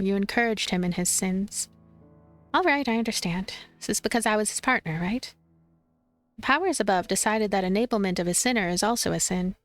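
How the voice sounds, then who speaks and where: A woman reading a visual novel aloud as a let's play streamer, expressive and playful, with commentary. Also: mid-range voice. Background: game music.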